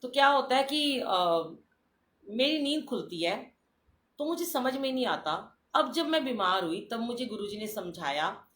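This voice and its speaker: A woman's voice: a little high, animated, measured pace, a bit bright. Older woman telling a devotional story. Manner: earnest, addresses listeners as sangat ji. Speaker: satsang speaker. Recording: roomy live stream with faint ambience.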